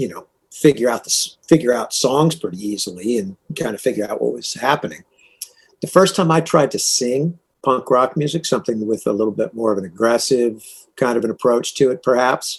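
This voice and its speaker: With an American accent, a man speaks at a fairly quick pace. His intonation is lively. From Utah, US. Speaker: punk rock guitarist. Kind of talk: interview. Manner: halting, many false starts.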